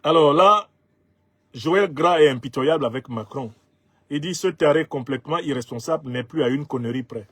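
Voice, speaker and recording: A man in his fifties from Cameroon whose first language is Bassa, emphatically commenting on viewers' social media comments. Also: moderate pace, fairly bright tone, breathy edge, no echo. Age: 50s. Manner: emphatic, rhetorical, laughs at his own jokes.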